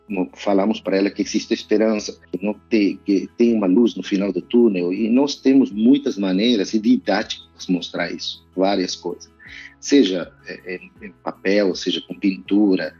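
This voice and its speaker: Husky low Argentine man, earnest. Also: darkish tone, no echo, muffled recording. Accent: Argentine Spanish. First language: Spanish. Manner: reflective, earnest, hesitant with "eh". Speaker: pastor and missionary. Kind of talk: casual podcast interview.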